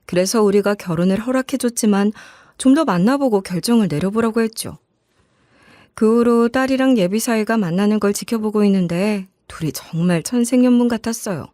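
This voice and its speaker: A woman's voice: medium pitch, fairly quick, mellow, no echo, studio quality. A woman narrating a scripted first-person family story in the role of a mother.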